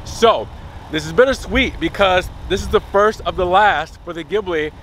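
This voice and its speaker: Young male car-channel host, upbeat and chatty, higher-pitched, recorded outdoors on a lot with faint background noise. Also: moderate pace, a bit bright. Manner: chatty, upbeat, addresses viewers as guys. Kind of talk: casual car review to camera. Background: light wind and outdoor ambience.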